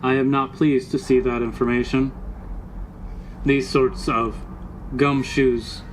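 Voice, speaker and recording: A man's voice: medium pitch, little pitch movement, slow, slight background noise, natural voice, low-quality recording. A man voicing a formal, distrustful robot bodyguard with stiff, courteous diction in a tabletop game. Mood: suspicious.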